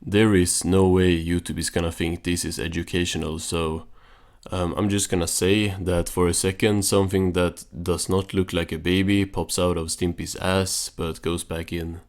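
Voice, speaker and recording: A man's voice: deep voice, level tone, moderate pace, crowd noise. A man giving a casual recap and commentary on a cartoon episode in a dry, understated way. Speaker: video reviewer and narrator.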